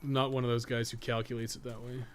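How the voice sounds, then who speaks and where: A man's voice: medium pitch, flat delivery, quick pace, slight background noise. A man chatting casually as he livestreams a game, rambling, rephrasing his points and swearing casually. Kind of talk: casual chat while playing, answering viewers.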